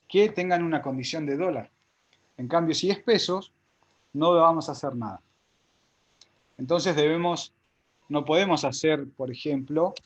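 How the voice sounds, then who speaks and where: A man's voice: a little high, husky. A man teaching a live spreadsheet class step by step, with an Argentine Spanish accent, often checking whether his students follow.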